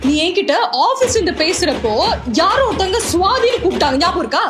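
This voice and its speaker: Young woman acting, jealous girlfriend in a comedy short, insistent, very high swooping voice, echoey sound. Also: sing-song, fast talker. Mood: accusing. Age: young adult. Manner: suspicious, insistent, repeats herself. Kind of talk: emotional colloquial phone dialogue. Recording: echoey room under loud music.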